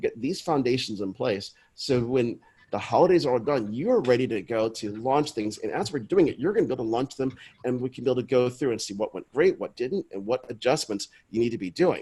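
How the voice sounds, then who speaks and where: A dark, mellow tone carries lively intonation at a very fast pace, with an American accent. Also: man. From Chicago. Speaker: digital marketing expert. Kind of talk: webinar presentation.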